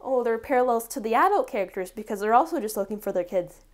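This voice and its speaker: A woman's voice: a little high, lively intonation, quick pace, music in the background. A woman narrating a film commentary video essay in a wry, sarcastic manner.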